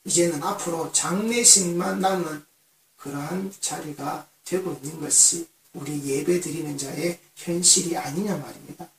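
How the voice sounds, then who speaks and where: A fervent pastor preaching in a church sanctuary, the voice set back from the microphone and ringing through the room. Each phrase is stacked on the last in a repetitive cadence that climbs toward forceful peaks. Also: medium pitch, normal speed. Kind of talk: impassioned sermon. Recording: roomy, distant from the mic.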